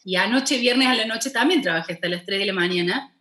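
A woman's voice: medium pitch, fairly quick, bright, forceful tone, echoey room. A woman with a Córdoba Argentine accent, a former TV host turned content creator, telling her story passionately and emphatically in a casual interview.

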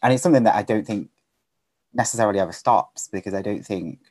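A man's voice: on the low side, fast talker, slightly rough, no room sound. A man as a podcast guest, talking casually and animatedly, filling his speech with "like" and "kind of.". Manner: animated storyteller, lots of fillers like "like" and "kind of". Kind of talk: casual interview chat.

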